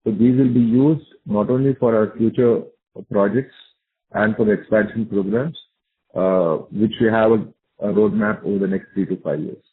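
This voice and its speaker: A man's voice: on the low side, steady tone, moderate pace. A man with an Indian accent answering investor questions as a company executive on a conference call, restating his points for emphasis, over a narrow phone line.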